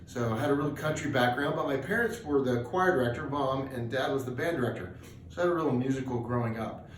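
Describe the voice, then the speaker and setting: A middle-aged man speaks at a medium pitch in a folksy, conversational manner, as if introducing himself on a homemade video. The recording is roomy and distant, with faint background noise. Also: fast talker. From southeast New Mexico, United States. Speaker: singer and charity auctioneer. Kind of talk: personal video introduction, casual monologue. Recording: roomy, distant mic with hiss.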